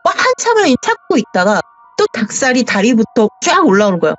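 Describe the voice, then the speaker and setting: A woman's voice: on the high side, very animated, fairly quick, no room sound. A woman telling her own ghost story in an interview, vividly acting out the voices of the people in it. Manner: vivid, acts out the dialogue. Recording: dull audio, faint music behind.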